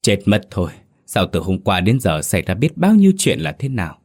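A man's voice: on the low side, sing-song, brisk, a little mellow. A man voicing an anxious middle-aged village man who speaks urgently and pleads. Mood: worried.

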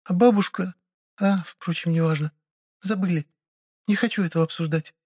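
A man voicing a withdrawn, grieving young woman who speaks quietly and haltingly. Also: high-pitched, breathy edge, no room sound, studio quality, pitched above the performer's own voice. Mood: subdued. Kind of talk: audiobook character voice.

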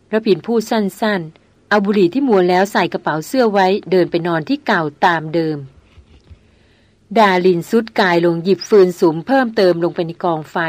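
A woman reading a novel aloud as a narrator, in a measured, steady storytelling manner. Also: mid-range voice, no echo. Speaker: audiobook narrator. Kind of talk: scripted narration.

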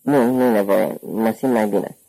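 A man's voice: fairly low pitch, fairly even intonation, vocal fry, dark tone, low-quality recording. A man voicing a cautious young man pretending to be someone else, speaking hesitantly. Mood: feigned. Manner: hesitant, feigning.

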